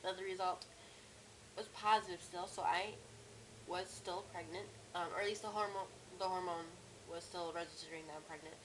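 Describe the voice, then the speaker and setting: A woman's voice: fairly low pitch, fairly even intonation, normal speed, a bit bright. Young woman with a cracky, strained voice, noisy recording. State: strained sore throat. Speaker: vlogger. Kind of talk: casual personal video diary to camera. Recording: clear background noise, room ambience.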